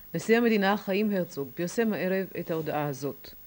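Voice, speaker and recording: A woman speaks at a medium pitch. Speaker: news anchor. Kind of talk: 1985 TV news broadcast, anchor reading. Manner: formal, solemn. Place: studio.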